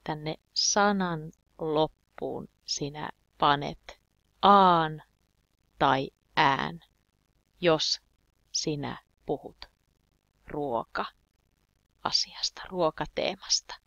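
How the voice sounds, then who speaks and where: Low gravelly woman teaching slowly. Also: fairly bright tone, no echo, lo-fi sound. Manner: clear, deliberate teaching with repeated example phrases. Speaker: Finnish language teacher. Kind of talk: slow beginner language lesson.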